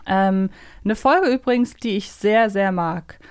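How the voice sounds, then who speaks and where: A woman's voice: mid-range voice, a little slow, a little mellow, smooth, dry recording, studio quality. A woman hosting a podcast, chatting casually and enthusiastically, thinking aloud in long winding sentences. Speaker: podcast host. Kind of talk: casual fan chat and quiz banter.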